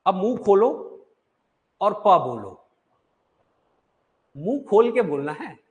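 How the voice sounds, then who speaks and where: A man's voice: sits high, sing-song, slow pace. A man teaching an online exam-prep class, explaining step by step, asking questions and answering them himself, with mixed into his talk.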